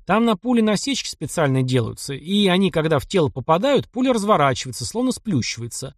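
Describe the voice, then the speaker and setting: A man reading the lines of a cocky, sharp-tongued young male taiga hunter in an audiobook. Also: high-pitched, big pitch swings, fast talker, dry recording, studio quality, pitched above the performer's own voice, exaggerated voice. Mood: explaining. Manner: cocky, sarcastic retorts.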